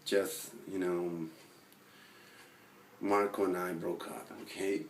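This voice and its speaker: A man performing a monologue as a neurotic, self-deprecating, lovelorn forty-year-old who rambles haltingly. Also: sits low, level tone, voice pushed down. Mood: heartbroken, bewildered. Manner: halting, rambling, full of fillers and restarts. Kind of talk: dramatic film monologue acting. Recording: roomy echo with faint background noise.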